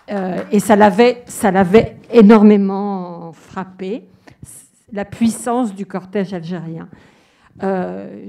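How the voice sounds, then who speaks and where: Audience woman at a debate, measured testimony, slow, mellow tone. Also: medium pitch. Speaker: audience member. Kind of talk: personal testimony at a public debate.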